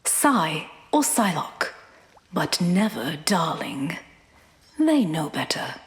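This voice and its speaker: An actress playing a cool, deadly ninja assassin in a video game, with a guarded, measured and breathy delivery. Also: female voice, fairly low pitch, very animated.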